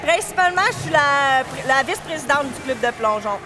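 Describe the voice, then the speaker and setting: High-voiced Québécois woman in her thirties. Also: lively intonation, a little fast, a crowd in the background. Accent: Québécois French. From Quebec, Canada. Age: 30s. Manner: hesitant, many fillers and restarts. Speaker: guest, diving club vice-president and coach. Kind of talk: casual interview. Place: indoor pool area.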